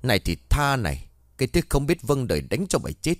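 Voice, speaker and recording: A man voicing a cruel, hot-tempered middle-aged aunt who scolds in rapid, harsh bursts. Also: mid-range voice, very animated, no echo, clean studio sound, lightly acted. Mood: furious.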